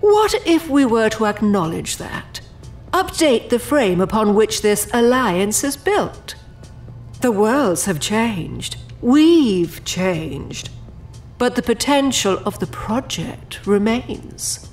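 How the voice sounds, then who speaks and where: Casting: composed otherworldly baroness, diplomatic and formal, very unhurried delivery, mid pitch, music underneath. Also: female voice, very animated, a little mellow. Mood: earnest persuasion. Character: poised, diplomatic noblewoman presiding over otherworldly board. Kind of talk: audio drama acting.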